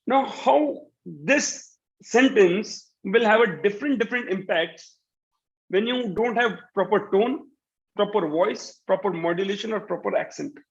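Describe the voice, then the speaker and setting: A man's voice: high-pitched, expressive, unhurried, gravelly, highs cut off. A man in his thirties with an Indian English accent, an earnest communication trainer who keeps saying "you know, uh" and restarts his sentences, heard over a video call. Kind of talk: motivational talk to students.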